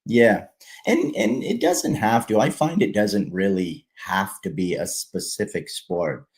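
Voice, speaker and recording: A man's voice: lowish voice, expressive, a little slow, slightly rough. A man from Canada, a guest on a livestream interview, talking in a friendly, easygoing way. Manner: friendly, easygoing, some restarts. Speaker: guest, kids' fitness founder. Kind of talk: casual interview. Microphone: video call livestream.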